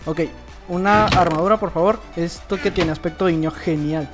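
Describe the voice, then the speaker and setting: A man's voice: fairly high pitch, moderate pace, over music. A young man giving casual, playful commentary over his own gameplay, teasing opponents as he goes. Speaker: gaming youtuber.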